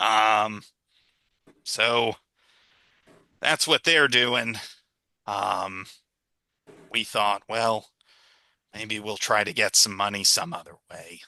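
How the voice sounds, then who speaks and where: A man does a raspy, put-on character voice at a medium pitch. He talks at a very slow pace with long, frequent pauses. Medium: actual play. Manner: hesitant, stammering.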